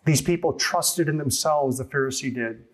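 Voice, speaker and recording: Pastor, male, mid-pitched husky voice, earnest emphatic sermon delivery with pointed questions. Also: normal speed.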